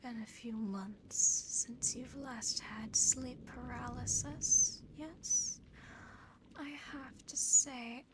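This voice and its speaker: A woman voicing a teasing, condescending, darkly affectionate female demon in a breathy, close-miked ASMR whisper. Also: on the high side. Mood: teasing fondness. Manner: slow, taunting, lingering over words. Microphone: close ASMR microphone. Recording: faint background noise and ambience.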